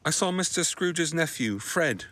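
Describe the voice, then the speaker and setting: A man's voice: fairly high pitch, animated, a little slow, fairly bright tone. An actor playing a humble, grieving Victorian father in an audio drama, speaking tenderly and earnestly. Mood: tender sorrow. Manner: tender, earnest, old-fashioned phrasing.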